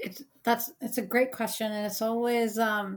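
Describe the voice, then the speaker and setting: With a normal speaking voice, a woman talks at a fairly slow pace in a fairly high pitch. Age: 40s. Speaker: life coach and side-hustle entrepreneur. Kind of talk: interview conversation. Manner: repetitive false starts.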